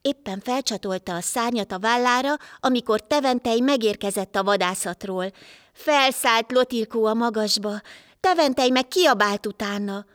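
A woman narrating a folk tale in a calm, measured storytelling manner. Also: a little high, dry recording, studio quality.

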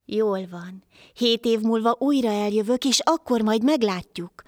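A woman voicing Life, a wandering healer, in a calm, measured storybook voice. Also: fairly high pitch, no echo, studio quality, close to an everyday voice.

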